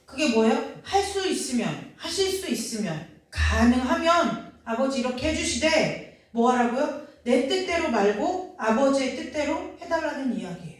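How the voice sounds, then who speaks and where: A woman's voice: high-pitched, sing-song, moderate pace, few pauses. A woman preaching a sermon in earnest, asking the congregation questions as she goes. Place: church sanctuary. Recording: very echoey, from far off.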